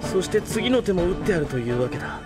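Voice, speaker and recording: A man's voice: high voice, sing-song, quick pace. A man playing an arrogant, resentful young commander in a Japanese audio drama, haughty and biting. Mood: bitter, sardonic. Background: loud music.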